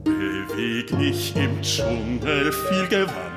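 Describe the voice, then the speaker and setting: A man's voice: mid-range voice, sing-song, slow. A man playing a boastful jungle animal in a children's musical, in rhythmic song-like delivery. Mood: boastful, sly. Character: singing panther and long snake of the jungle, boastful. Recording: roomy, with loud music backing.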